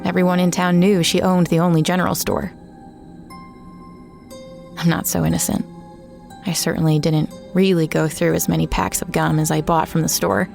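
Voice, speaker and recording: Weary, regretful female ex-reporter narrating horror audio drama; lower register, reflective and somber, music underneath. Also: little pitch movement, moderate pace, vocal fry, long pauses, darkish tone. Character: weary, regretful woman, small-town former journalist. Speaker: narrator and protagonist.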